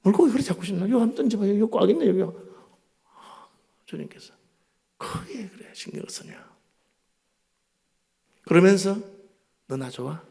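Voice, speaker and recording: A man with a Gyeongsang accent preaching a revival sermon, telling stories animatedly and swinging between loud bursts and hushed asides. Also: high voice, big pitch swings, moderate pace, vocal fry, pauses often. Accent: Gyeongsang Korean. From Gyeongsang, South Korea.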